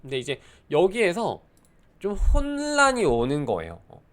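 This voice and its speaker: Picture a young man talking through the crypto market on his own channel. His voice sits a little high and swings up and down lively, and he pauses often with fillers as he explains. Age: young adult. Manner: hesitant, many fillers, explanatory. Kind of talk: casual solo market commentary.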